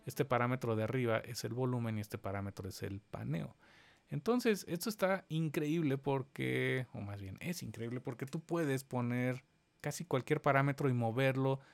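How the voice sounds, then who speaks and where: A man, giving a step-by-step screen-recorded software lesson and talking straight to his viewers. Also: mid-range voice, normal speed, vocal fry. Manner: explains step by step, addressing viewers directly. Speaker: instructor.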